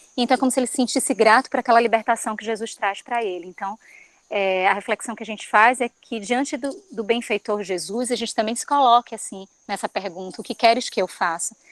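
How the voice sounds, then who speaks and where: With a dry, close sound with no echo and a quiet background, the speech moves at a fairly quick pace with ordinary pitch variation and big swings in loudness. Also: woman, fairly high pitch for a woman. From Bahia, Brazil. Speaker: participant in spiritist study group. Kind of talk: group discussion comment.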